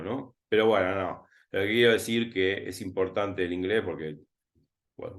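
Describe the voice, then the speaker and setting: A man with a Rioplatense Spanish accent tutors through a recorded math lesson. He talks to himself as he writes, drawing out and repeating key words at an unhurried pace. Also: on the low side. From Argentina. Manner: thinking aloud while writing, repeating words slowly.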